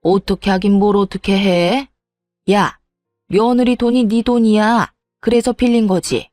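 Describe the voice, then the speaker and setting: A woman's voice: medium pitch, measured pace, darkish tone, no echo, faint music behind, close to an everyday voice. A woman doing a cold, scolding mother-in-law. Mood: dismissive. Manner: dismissive, scolding.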